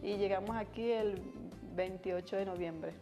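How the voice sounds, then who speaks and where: A young Venezuelan woman with a Venezuelan accent introduces herself casually, pausing now and then. Clear music plays under her mid-pitched voice. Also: steady tone. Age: 20s. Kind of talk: documentary introduction.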